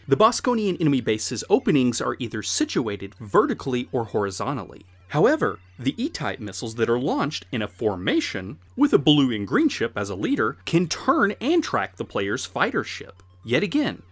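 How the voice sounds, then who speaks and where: A man giving scripted, informative narration as a retro game presenter, with emphatic, explanatory phrasing. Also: mid-range voice.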